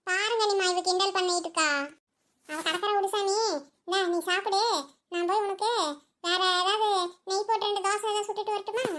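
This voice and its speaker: Woman, cartoon voices, very high pitch, quick talker, fussing chatter. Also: fairly bright tone. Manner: chatty, fussing village banter. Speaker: narrator voicing all characters. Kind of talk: cartoon voice acting.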